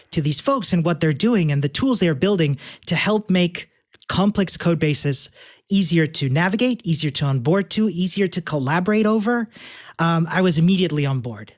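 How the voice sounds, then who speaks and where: A man's voice: a little high, normal speed. A man from Chile, a guest on a podcast, chatting in an upbeat way and laughing often. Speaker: guest, developer relations engineer. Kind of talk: casual interview chat.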